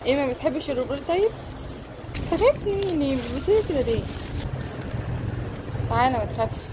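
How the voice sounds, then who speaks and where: Quick, high Egyptian woman on a noisy street. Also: expressive. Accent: Egyptian Arabic. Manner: chatty, coaxing and teasing. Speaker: vlogger. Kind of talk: casual vlog narration and talking to street animals. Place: outdoors on a city street. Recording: loud street traffic noise behind.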